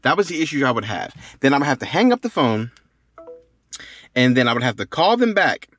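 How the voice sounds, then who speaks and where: A man's voice: mid-range voice, sing-song, fairly quick, fairly bright tone. A man talking casually through a how-to demonstration as a tutorial host, often repeating phrases for emphasis. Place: inside a car.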